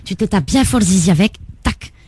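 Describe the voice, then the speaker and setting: A woman's voice: medium pitch, lively intonation, brisk, dark tone, lightly acted. A woman acts out a flirtatious Belgian caller on a comedy phone prank. She is gushing, bossy and exaggeratedly eager. A faint noise sits behind the voice. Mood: coaxing, bossy. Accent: put-on Belgian. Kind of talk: prank phone call in character.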